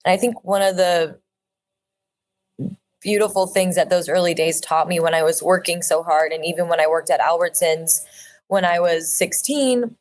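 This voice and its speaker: This is a woman in her thirties from Orange County, speaking as an interview guest. Her voice sits a little on the low side, and she talks in an earnest, reflective way. Her phrasing is loose and conversational, full of small restarts and fillers. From Orange County, California.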